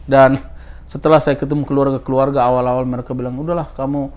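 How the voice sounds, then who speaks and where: A man in his thirties from East Timor, telling his personal story in a casual interview, his voice rising high when he stresses a point. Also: fast. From Timor Leste. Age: 30s. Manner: animated storyteller, voice rising with emphasis.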